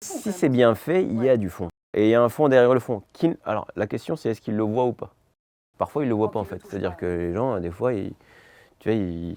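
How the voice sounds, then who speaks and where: At a fairly quick pace, a man of medium pitch speaks with a dark, mellow tone and lively intonation. His loudness swings widely on a very clean recording with a silent background. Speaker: comedian. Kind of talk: casual chat. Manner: fast.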